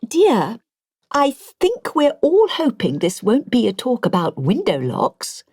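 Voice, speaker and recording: A woman voicing a commanding, polite lady in her eighties, brisk and genteel, for an audiobook. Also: a little high, wildly swooping pitch, a little mellow, husky, voice pushed up, heavily acted. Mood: politely firm.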